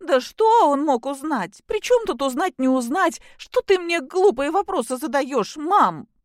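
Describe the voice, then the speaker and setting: A woman reading aloud and voicing a sobbing, furious young married daughter, in a shrill, high and outraged tone. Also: animated, moderate pace, dry recording, studio quality. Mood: angry.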